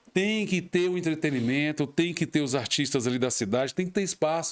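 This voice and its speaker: On a very clean recording with a silent background, a man with a fairly high pitch speaks at a fairly quick pace with ordinary pitch variation. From Brasília, Brazil. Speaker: journalist, broadcaster and political candidate. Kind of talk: casual interview. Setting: podcast studio. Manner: fast.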